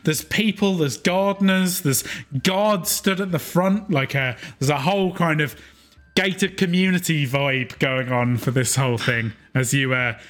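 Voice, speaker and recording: A man's voice: on the high side, fairly even intonation, unhurried, a bit bright, soft background music. A British man running a tabletop game as game master, narrating the scene in a rambling way full of fillers. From Britain. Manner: rambling, filler-heavy, laughs easily.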